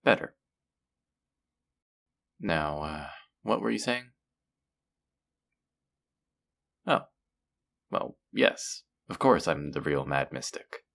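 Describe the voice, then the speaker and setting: A man's voice: extremely low pitch, lively intonation, slow pace, vocal fry, pauses often, a bit bright, full character voice. A man playing a feared supervillain in an audio roleplay, theatrical and businesslike, with a dry, politely condescending manner. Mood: proud, puzzled. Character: feared male supervillain, theatrical yet businesslike and dryly amused. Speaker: supervillain interviewing a job applicant. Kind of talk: audio roleplay acting, addressing the listener.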